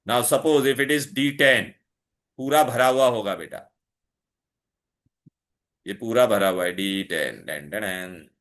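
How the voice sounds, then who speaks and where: Quick-talking South Asian man tutoring. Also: on the low side, a bit bright. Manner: repetitive, quizzing, checking with questions. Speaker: chemistry tutor. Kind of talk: interactive one-on-one lesson, mixing English and Hindi.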